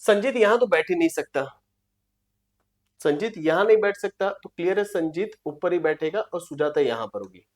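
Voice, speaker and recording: Low-voiced woman teaching a reasoning lesson. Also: animated, darkish tone. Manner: reads problem lines slowly and repeats them, checks with "clear?". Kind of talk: online exam-prep lesson.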